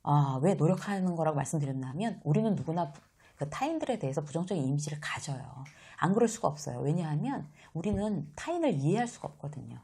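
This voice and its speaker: A middle-aged woman giving a casual lecture on life and work, lively and exclamatory, acting out what people say. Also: low-pitched, fast, slightly rough. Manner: lively, exclamatory, acts out quoted dialogue.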